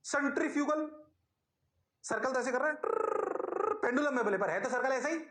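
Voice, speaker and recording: A man leads an online physics class in a bright, high voice. He is energetic and coaxing and keeps repeating his questions to get the students to answer. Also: quick pace, echoey room, heavy background noise. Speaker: physics teacher.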